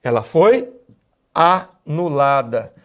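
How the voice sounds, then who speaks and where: A man's voice: a little high, big pitch swings, extremely slow, dull audio. A Brazilian man teaching an exam-prep grammar lecture, who explains step by step and keeps asking the class rhetorical questions. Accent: Brazilian Portuguese.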